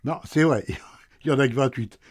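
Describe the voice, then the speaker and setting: A man's voice: medium pitch, moderate pace, dry recording, lightly acted. An actor playing a sleepy, teasing husband in a radio play, answering his wife with dry sarcasm. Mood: grumpy, teasing. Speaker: husband woken at night.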